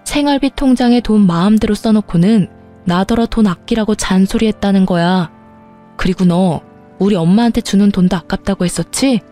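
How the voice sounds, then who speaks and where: Mellow-voiced woman narrating a story. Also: mid-range voice. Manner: indignant, sharp retorts. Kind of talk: radio-style story reading.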